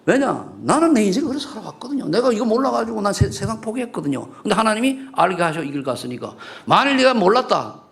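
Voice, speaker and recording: Gravelly, animated Korean pastor preaching. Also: male voice. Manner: swings from loud rising questions to low murmured asides; asks the congregation questions and banters with them. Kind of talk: sermon. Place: church sanctuary.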